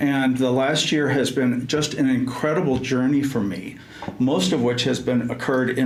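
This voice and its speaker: Noticeable background noise and audible room echo surround the recording. A man talks at medium pitch and a moderate pace, with fairly even intonation. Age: 60s. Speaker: entrepreneur and publisher. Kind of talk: podcast interview.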